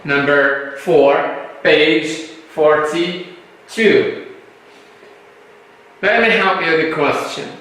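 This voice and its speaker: Man, from Morocco, native Arabic speaker, English teacher, slow patient explaining, high voice, very roomy echo. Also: fairly bright tone. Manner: slow, repetitive explaining with tag questions. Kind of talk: classroom vocabulary lesson. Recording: very echoey room.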